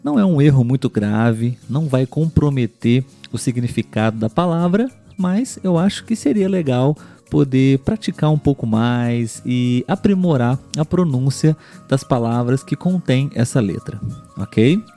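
Warm-voiced Brazilian man teaching pronunciation. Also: mid-range voice, expressive, soft background music. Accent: Brazilian Portuguese. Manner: patient, clear, repeats example words slowly. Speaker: language teacher and podcast host. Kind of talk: podcast pronunciation lesson.

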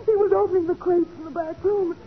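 An actress playing a fragile, distraught wife with halting, tremulous delivery in a 1940s radio melodrama, on a thin vintage recording. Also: female voice, very high-pitched, steady tone, phone-quality sound, soft background music. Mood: shaken. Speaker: actress in a radio crime drama.

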